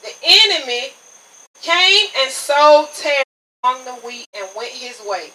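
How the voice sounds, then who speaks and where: A woman's voice: high voice, sing-song, measured pace, sharp tone. A woman preacher giving an emphatic revival sermon, punctuating her phrases with amens. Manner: emphatic, repeats "Amen" as punctuation. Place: outdoor tent service at night. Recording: distant mic, noisy, insect chirps behind. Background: crickets and insects, congregation answering amen.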